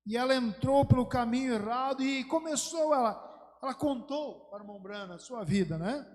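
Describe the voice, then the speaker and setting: A man's voice: extremely high pitch, expressive, fairly quick. A male pastor delivering a sermon, retelling a story with fervent, building emphasis. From Brazil. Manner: fervent storytelling preaching that swells into emphatic exhortation. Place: church sanctuary. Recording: long church hall reverb.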